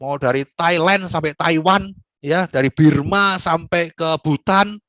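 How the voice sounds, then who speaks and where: A man's voice: on the high side, unhurried, a bit bright, dry recording. A man giving a live Buddhist Dharma talk, joking and colloquial as he teaches.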